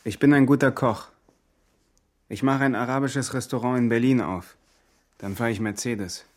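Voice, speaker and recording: An actor playing an earnest, devout Arab refugee in a radio drama, speaking in short, solemn, matter-of-fact sentences. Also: male voice, mid-range voice, fairly even intonation, normal speed, a little hiss or hum, close to an everyday voice. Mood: proud, eager.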